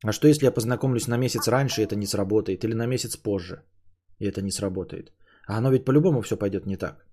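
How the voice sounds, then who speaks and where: A man in his thirties, a podcast host, musing aloud in a rambling solo monologue, swearing casually and drifting between livelier and quieter stretches. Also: lowish voice, quick pace. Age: 30s.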